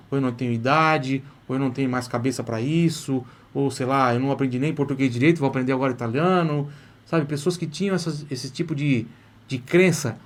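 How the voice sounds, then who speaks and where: A man from Brazil with a Brazilian accent, hosting a live online language class in an enthusiastic, coaxing way and checking in with his audience often. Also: mid-range voice. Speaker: language teacher and course host.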